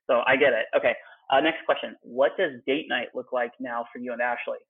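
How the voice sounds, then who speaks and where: A young man chatting casually on a podcast, quick and self-deprecating, heavy on "like", recorded in his garage. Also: medium pitch, fairly even intonation, gravelly, slightly rough. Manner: fast, filler-heavy and self-deprecating, full of "like". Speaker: guest turned interviewer. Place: home garage. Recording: tinny phone-like line.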